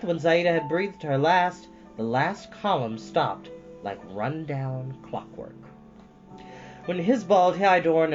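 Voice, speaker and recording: A man reading a storybook aloud as host, with expressive, deliberately stressed phrasing. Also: a little high. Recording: dull lo-fi sound with music behind.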